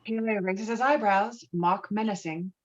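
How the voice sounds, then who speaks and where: A woman's voice: mid-range voice, normal speed. A woman narrating stage directions from a film script at a virtual table read. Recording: dull, lo-fi video-call audio.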